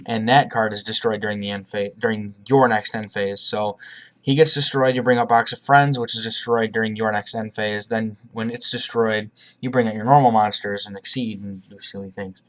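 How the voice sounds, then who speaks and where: A man's voice: lowish voice, steady tone, normal speed. A man presenting a card deck profile in a casual, rambling way, with frequent restarts and a cough drop in his mouth. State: has a cough, talking around a cough drop.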